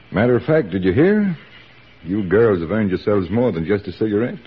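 An actor playing a brisk, commanding wartime army surgeon in a 1940s radio drama. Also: male voice, fairly low pitch, slight background noise, exaggerated voice. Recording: dull old radio recording.

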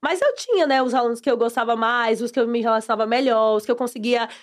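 A Brazilian woman, a former teacher and podcast guest, telling classroom stories in lively casual chat and acting out voices. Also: on the high side, quick pace. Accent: Brazilian Portuguese.

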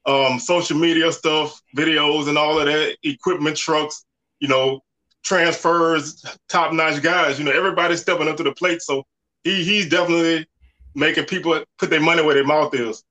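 A man, a podcast guest talking sports in a relaxed, conversational way. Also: a little high, normal speed, poor audio. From Southern United States. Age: 40s. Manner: relaxed, conversational, lots of "you know" and "man". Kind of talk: casual sports talk.

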